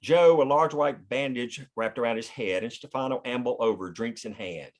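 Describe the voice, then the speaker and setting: Man reading screenplay directions, medium pitch. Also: moderate pace. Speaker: stage-direction narrator. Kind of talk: scripted narration, screenplay table read.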